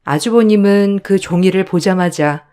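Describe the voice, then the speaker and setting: Brief: female radio story narrator, confiding and indignant, clear middle voice. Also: medium pitch, moderate pace, mellow.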